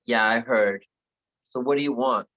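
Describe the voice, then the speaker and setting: A man's voice: mid-range voice, moderate pace, pushed and bright, highs cut off, lightly acted. A man playing a sullen, dismissive teenage boy in a script read, with a curt, sardonic delivery. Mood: sullen, defiant. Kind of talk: virtual table read of a film script.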